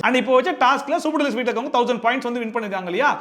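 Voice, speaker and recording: Man, reality show commentary, sarcastic, animated, quick patter, unusually high pitch. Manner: sarcastic, animated, rhetorical questions. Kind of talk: fast opinionated commentary.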